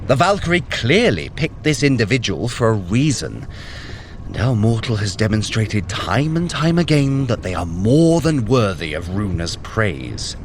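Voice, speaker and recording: A man's voice: lowish voice, sing-song, measured pace, a little hiss or hum. An actor playing a vain, sarcastic male trickster god in a scripted audio drama, theatrical and full of self-praise. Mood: sardonic. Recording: music bed under the voice.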